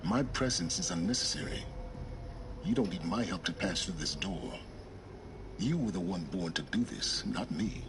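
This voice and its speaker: A grim, calculating game figure who weighs every word. His voice sits very low and solemn. A clear layer of hiss runs under the game audio. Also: expressive. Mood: grave. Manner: measured, solemn delivery. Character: grim ancient male schemer, cold and calculating.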